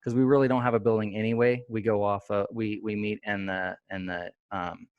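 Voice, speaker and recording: A man with a fairly low voice hosts a laid-back podcast chat, looping through "um"s and half-started sentences. The sound is dry and close, with no room around it. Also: little pitch movement, a little fast, clean tone, no echo, phone-quality sound. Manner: rambling, many fillers and restarts. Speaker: podcast host. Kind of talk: casual interview chat.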